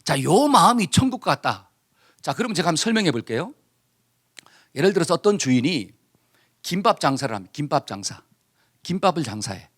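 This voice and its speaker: Male pastor, high lively voice, animated sermon, colloquial, acts out dialogue. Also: fairly quick, long pauses. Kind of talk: sermon with call-and-response scripture reading.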